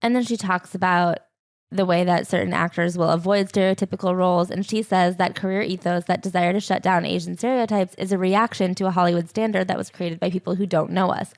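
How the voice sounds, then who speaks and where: A young woman co-hosting a podcast, sharing relaxed, opinionated takes on a memoir. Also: lowish voice, a little fast, dry recording. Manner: relaxed and opinionated, with frequent "like" asides. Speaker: podcast co-host. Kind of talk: casual book-club chat.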